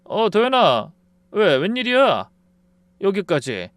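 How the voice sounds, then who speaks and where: A man's voice: huge pitch swings, slow, fairly bright tone, no room sound, exaggerated voice. A man voicing a brazen, taunting middle-aged male friend who stole a recipe. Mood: smug. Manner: brazen, taunting, shrill when cornered.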